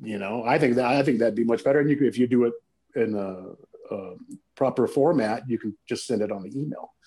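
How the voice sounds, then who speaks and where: Male actor guest, warm mellow tone, mid pitch, emphatic storyteller. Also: fairly quick. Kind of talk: casual chat.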